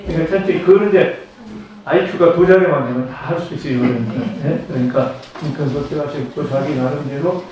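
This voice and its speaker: An older man giving a conversational Buddhist lecture in a lecture room, now and then leading slow chants. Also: a little high, background noise. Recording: very echoey room, distant mic.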